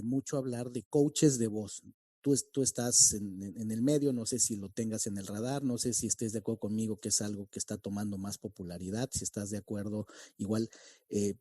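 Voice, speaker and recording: Very mellow male podcast host, dry sound. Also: medium pitch, no echo. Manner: halting, reflective phrasing with many pauses. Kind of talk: conversational podcast interviewing.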